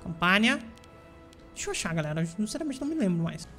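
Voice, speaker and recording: A man's voice: high voice, sing-song, quick pace, pushed and bright, faint music behind. Chatty Brazilian man commenting on gameplay. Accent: Brazilian Portuguese. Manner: chatty, talks to himself while playing, bursts of exasperation. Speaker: gameplay streamer.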